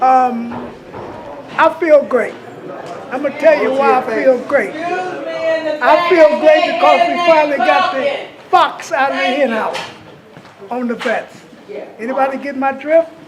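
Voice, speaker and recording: An extremely high-pitched male voice with ordinary pitch variation, fairly slow and broken by long, frequent pauses, with audible room echo and crowd noise in the background. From US South, Memphis, Tennessee. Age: 80s+. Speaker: war veteran. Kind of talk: testimony. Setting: church hall meeting with audience.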